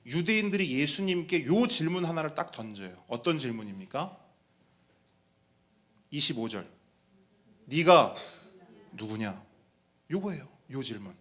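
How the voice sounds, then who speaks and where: A man's voice: a little high, fairly bright tone. A man preaching a sermon as pastor, talking in a conversational way, putting questions to the congregation and acting out mocking voices.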